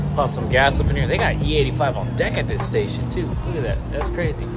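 A man talks at a very fast clip. Loud music plays behind him. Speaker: car vlogger. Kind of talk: casual vlog chat. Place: street. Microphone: phone near.

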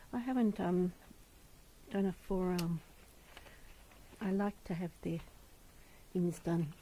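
Over light background noise, a woman talks at a moderate pace in a dark, mellow, somewhat breathy tone. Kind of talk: casual explanation to a colleague. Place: home room. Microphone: phone near.

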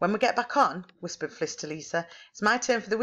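In a natural reading voice, the speaker reads with lively intonation.

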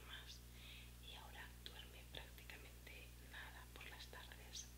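A woman is whispering. Loud background noise fills the recording. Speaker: ASMR creator. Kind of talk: casual talk to camera. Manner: whispered.

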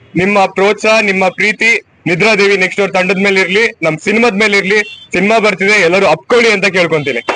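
A man projects a raised voice at a high pitch with very even loudness. Noticeable background noise sits behind him. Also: fairly even intonation. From Karnataka, Mandya. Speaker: film actor. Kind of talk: press statement to media. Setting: outdoors at a statue.

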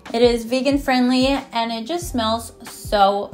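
At a fairly slow pace, a woman talks while faint music sits in the background. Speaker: beauty vlogger. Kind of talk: casual product review vlog. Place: home room.

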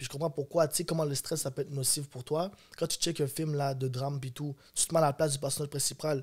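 Somewhat breathy and fairly high in pitch, a man with a Quebec accent speaks at a very fast pace in a monotone, flat intonation against a quiet background. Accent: Quebec French accent when speaking English. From Montreal, Quebec. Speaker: rapper; guest. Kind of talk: interview. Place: studio. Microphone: studio mic.

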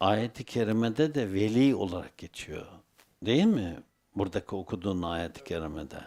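A man speaks at a moderate pace with lively intonation and a fairly low pitch, in a plain, everyday voice. The recording is very clean, with a silent background. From Western Turkey (İzmir, Bayındır). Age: 60s. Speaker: Sufi religious teacher. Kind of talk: casual advice answering a question; religious talk.

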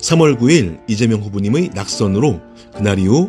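Pitch swings very widely as a man talks at a moderate pace, music running behind him. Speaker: real estate agent. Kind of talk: scripted narration to camera.

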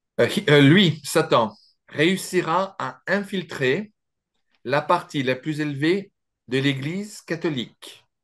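A man's fairly high voice at a very slow pace over a quiet background. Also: ordinary pitch variation. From France, born in Normandy, raised in Paris; France. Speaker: author and expert on Marian apparitions; interviewee. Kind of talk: interview. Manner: talkative, hesitant with repetitions. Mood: earnest, personal conviction. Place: home room. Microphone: video call.

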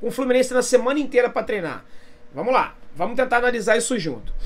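Extremely high in pitch, a man talks in an animated tone. He goes at a very fast pace. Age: 40s. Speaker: football fan commentator. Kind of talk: casual monologue match analysis. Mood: frustrated, indignant. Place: home room. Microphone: phone near.

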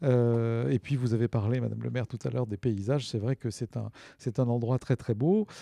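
With a quiet background and a dry sound free of echo, a man speaks in a dark, mellow tone with fairly even intonation. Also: medium pitch for a man, moderate pace. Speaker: radio host. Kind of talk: live radio show with audience. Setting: village hall with audience, live. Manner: formal, warm. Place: hall. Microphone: handheld.

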